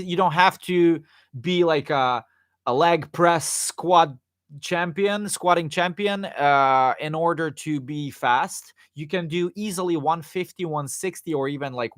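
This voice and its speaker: A man hosting a live Q&A, answering viewer questions in a loose, rambling way with fillers and restarts, his voice going hoarse. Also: on the high side, fairly bright tone, no room sound, studio quality. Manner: rambling, many fillers and restarts, jokey asides. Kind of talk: casual live-stream Q&A, reading and answering chat questions.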